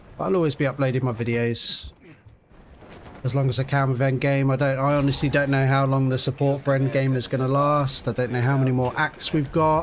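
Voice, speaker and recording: A man with a southern English accent, medium pitch and a fairly quick pace. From UK. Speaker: gaming streamer. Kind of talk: live game stream chat. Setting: live stream, home setup. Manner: casual, chatty.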